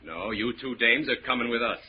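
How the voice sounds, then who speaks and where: An actor playing a cold, bullying gangster who talks in tough slang and threats, in an old-time radio crime drama. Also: male voice, mid-range voice, a little fast, lightly acted. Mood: cold, commanding. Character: menacing male gangster, cold and bullying ringleader. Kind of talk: 1940s-50s radio crime drama acting. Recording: muffled, hissy old radio broadcast.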